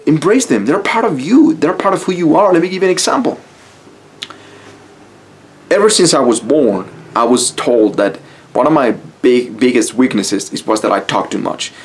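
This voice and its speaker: A man's voice: medium pitch, moderate pace. A man from Mexico with a Mexican Spanish accent, speaking English as a second language, giving a blunt, casual motivational talk to camera and swearing freely. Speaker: YouTube style coach.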